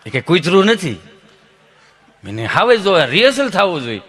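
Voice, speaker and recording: A man with a Kathiawadi Gujarati accent, a folk comedian telling funny stories on stage, joking and animated as he imitates the people he quotes. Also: high-pitched, moderate pace. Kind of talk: stage storytelling at a dayro.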